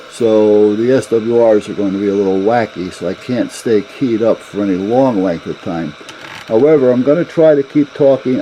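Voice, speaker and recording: A man's voice: medium pitch, mellow, poor audio. A man giving a casual hands-on demonstration in a folksy, rambling way, as a hobbyist presenter. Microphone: camera mic about a foot away. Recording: clear background noise, radio sounds.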